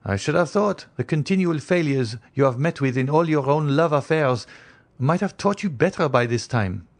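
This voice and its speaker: A man voicing an earnest, determined young gentleman in an audiobook, formal and insistent. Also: fairly high pitch, lively intonation, normal speed, pitched above the performer's own voice. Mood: exasperated, earnest. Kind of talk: audiobook character acting.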